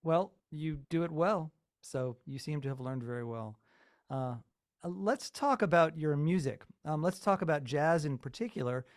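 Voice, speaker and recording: A man interviews a guest, asking measured questions and warmly affirming what he hears. His voice sits a little higher than most men's. The sound is dry and close, with no echo. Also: expressive. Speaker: interviewer host.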